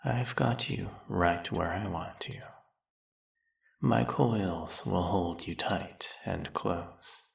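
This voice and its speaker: In this audio roleplay, a man plays a snake-headed villain and hypnotist who talks smoothly in a silky, coaxing, purring, soft-spoken way. His very low voice has a gravelly huskiness, and he draws out each word in a very slow, exaggerated delivery with a hypnotic mood.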